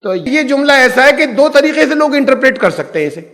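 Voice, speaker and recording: A man with a strikingly high voice gives a Quran lesson, explaining step by step and asking rhetorical questions. His words ring out with a long reverb from a lecture hall. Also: big pitch swings, a bit bright. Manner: explanatory, poses rhetorical questions, mixes English terms. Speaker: Islamic scholar teaching the Quran.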